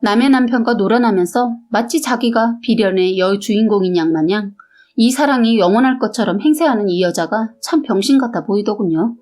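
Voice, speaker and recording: A woman narrating a first-person story aloud in a steady storytelling manner. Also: mid-range voice, a little fast. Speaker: story reader.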